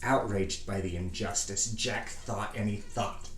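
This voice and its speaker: Male storybook reader, slow theatrical phrasing, roomy sound. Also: lowish voice, fairly even intonation, fairly bright tone. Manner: measured, theatrical phrasing with pauses. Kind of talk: dramatic reading of a rhyming storybook. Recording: echoey room, faint background noise.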